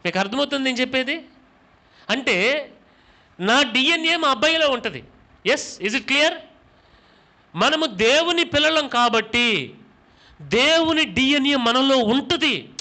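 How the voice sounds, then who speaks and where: A pastor preaching a sermon in a high, bright voice, firing questions at the congregation. He repeats words for emphasis and slips English phrases into his talk. His tone is forceful and tense. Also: expressive, a little slow, pauses often.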